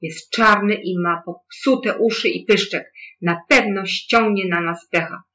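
A storyteller voicing a fussy, quick-tempered wind in a storybook read-aloud. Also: medium pitch, sharp tone. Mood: grumbling. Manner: blustery, scolding.

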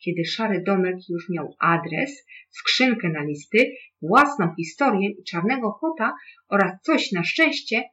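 A calm storyteller reading a children's tale aloud at a middling pitch. The recording is slightly dull and lo-fi, with a faint hum underneath. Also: a little slow.

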